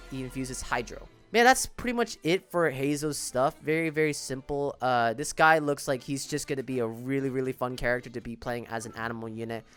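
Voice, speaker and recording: A man's voice: medium pitch, fairly bright tone. A man giving casual, informal commentary on a video game as a content creator, often stressing his words. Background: background music.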